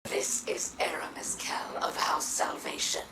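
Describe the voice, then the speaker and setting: A woman's voice: measured pace, whispered, lightly acted. A woman playing a bitter, menacing female alien warlord in a video game, speaking with scornful, threatening deliberation. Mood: cold menace. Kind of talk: dramatic video game acting. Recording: echoing voice under loud music.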